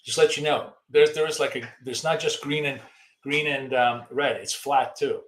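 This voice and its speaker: In an echoey room, a hoarse man at an ordinary middle pitch rambles casually through live-stream market commentary, pausing to take viewer questions. His intonation stays fairly even and his pace moderate.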